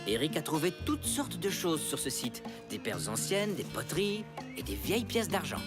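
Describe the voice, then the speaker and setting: A man voicing a kindly, easygoing father of a small boy, gently explaining things in a children's cartoon dub. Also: on the high side, very animated, normal speed, loud music behind the voice.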